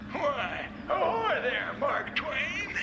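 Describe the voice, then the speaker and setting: Loud background noise accompanies a man doing a cartoonish character voice. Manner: folksy, proud.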